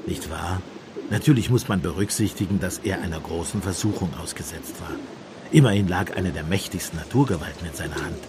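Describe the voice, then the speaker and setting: An actor playing a gentle, shrewd priest-detective in a German radio play, speaking in a musing, deliberate, softly pointed way. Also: male voice, sits low, noisy background, natural voice. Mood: grave, pointed. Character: gentle, shrewd priest-detective, mild-mannered, quietly probing.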